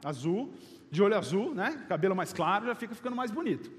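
A high-pitched Brazilian man in his late thirties, playful and chatty, jokes his way through a motivational talk. He speaks from a stage in a large hall, and his voice echoes with a long reverb. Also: very animated, quick pace. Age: late 30s. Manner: joking, chatty, playful asides to the audience.

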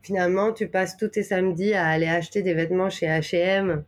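A woman's voice: fairly low pitch, steady tone, fairly quick. A woman from Normandy with a French accent, talking reflectively as a podcast guest, searching for her words and stressing key ones. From Normandy, France. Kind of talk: reflective conversational interview.

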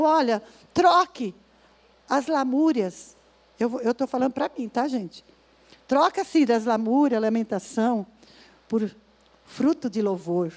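High-voiced woman preaching a sermon. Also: creaky. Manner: slow emphatic scripture reading; acts out complaining voices in asides. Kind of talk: sermon at a women's service.

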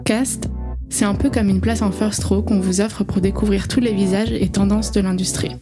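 A woman's voice: medium pitch, steady tone, moderate pace, over music. A woman hosting, reading a polished scripted introduction with emphatic delivery. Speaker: podcast host.

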